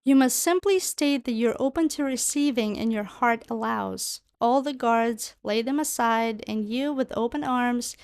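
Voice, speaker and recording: A woman's voice: on the high side, measured pace, hardly any pauses, darkish tone, dry recording. A woman delivering a channeled spiritual monologue in formal, solemn phrasing, speaking as a spiritual guide.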